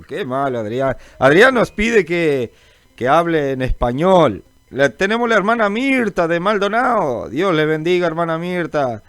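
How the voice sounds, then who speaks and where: Chatty radio preacher, dry sound. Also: male voice, fairly high pitch, a bit bright, no room sound. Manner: chatty, greets listeners by name, calls them brother; informal, rambling, many fillers. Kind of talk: live call-in gospel radio chat.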